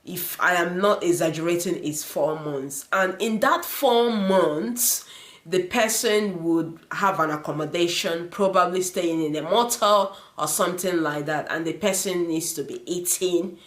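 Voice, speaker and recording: A woman's voice: fairly low pitch, measured pace, echoey room. A woman vlogger giving earnest immigration advice, repeating points, with many fillers and a first language other than English. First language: not English. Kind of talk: advice vlog to the camera.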